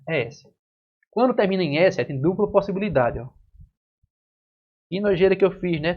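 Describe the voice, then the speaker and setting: Brazilian man teaching grammar, husky. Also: a little high, muffled recording. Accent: Brazilian Portuguese. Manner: explains step by step, asks and answers his own questions. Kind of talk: online grammar lesson.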